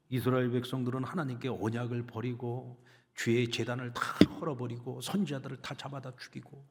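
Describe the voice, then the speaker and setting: A male pastor giving an emphatic, animated sermon. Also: medium pitch. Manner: emphatic, animated preaching with acted quotes.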